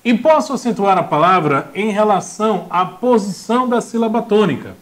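A man's voice: high voice, normal speed. A young man teaching a classroom lecture, joking and acting out little voices. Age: young adult. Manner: jokey and animated, acts out voices.

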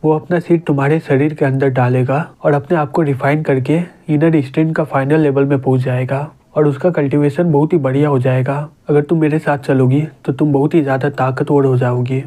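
A man's voice: fairly high pitch, fairly quick, few pauses, lightly acted. A man reading as an arrogant young rival. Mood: taunting. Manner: plain, flat storybook reading.

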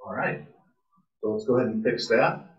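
A man's voice: mid-range voice, normal speed. A man presenting an informal live coding tutorial at a club meetup, casual and enthusiastic, thinking aloud as he types. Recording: distant, roomy, muffled meeting-room sound.

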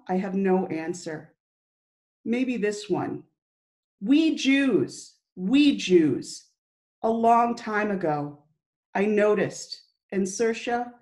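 A middle-aged woman gives a dramatic reading of a diary in halting, emotive short phrases. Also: medium pitch, a little mellow. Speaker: volunteer diary reader. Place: indoor room, plain wall.

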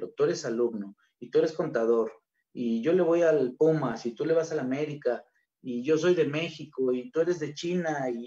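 A man's voice: medium pitch, a little mellow. A man with a Mexican accent giving an informal, colloquial conference talk on gastronomy research, acting out quoted voices as he goes. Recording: dull lo-fi recording.

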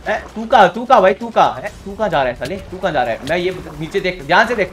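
A man giving live commentary while playing a game, excitable and repeating his words in quick bursts. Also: high-pitched, faint music behind. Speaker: gamer streamer.

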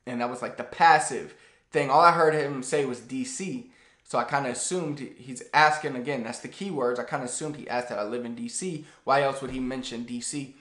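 A man in his thirties giving a casual, animated lesson to the camera in a small room. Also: medium pitch, fairly quick, echoey room. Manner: animated, gestures a lot while talking. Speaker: language teacher. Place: small plain room indoors.

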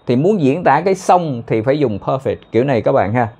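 Here a young man gives an easygoing spoken English lesson, unpacking phrases and pronouncing words slowly for copying. The pitch is medium and the delivery animated, mellow, with a breathy edge.

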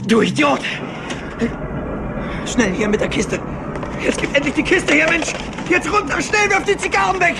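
A high, wildly swinging male voice: a scheming, overwrought nephew in a crime radio drama. He is jittery and impatient, with loud ride noise around him. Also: big pitch swings, normal speed, gravelly, long pauses, heavily acted. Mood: panicked fury. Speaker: actor in a crime radio play. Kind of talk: retro German crime radio drama dialogue.

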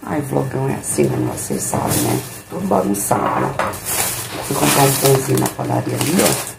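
This middle-aged woman, Brazilian-accented, talks to camera as a vlogger in a loose, rambling chat from small rooms at home. She has a creaky bass voice with big pitch swings and a fairly quick pace, captured on a phone held at arm's length in a noisy handheld recording.

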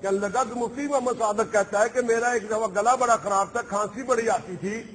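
High-voiced mocking preacher. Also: male voice, a little hiss or hum. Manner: mocking, animated storytelling with quoted dialogue. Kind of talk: storytelling sermon.

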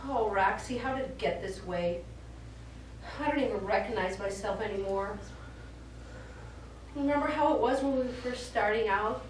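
A woman's voice: medium pitch, normal speed, pauses often, close to an everyday voice. A woman on stage playing a sentimental, melodramatic diva performer in a theatrical, gushing manner. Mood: wistful, self-pitying. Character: melodramatic, sentimental diva ventriloquist Miss Ladeau. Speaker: stage actor. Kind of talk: live stage comedy acting. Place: small indoor theatre stage. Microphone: far camera. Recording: very echoey theatre, distant camera, noisy.

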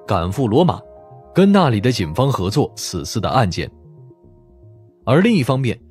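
A man narrates an audiobook in a mid-pitched voice with animated, lively phrasing. His delivery is scripted storytelling, with faint music underneath. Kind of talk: scripted narration of a mystery novel.

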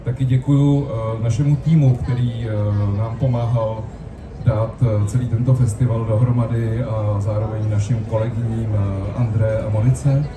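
A man's voice: fairly low pitch, steady tone. A man giving a hesitant thank-you speech as an organiser on an open-air festival stage. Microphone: stand mic through PA, recorded from audience. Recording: noisy, echoey stage PA from far off.

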